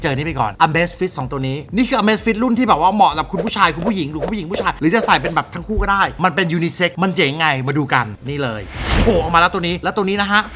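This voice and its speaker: A man hosting a casual product review, chatty and excitable, teasing the young woman beside him. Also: sits high, fast talker, few pauses, background noise. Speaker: host. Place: home.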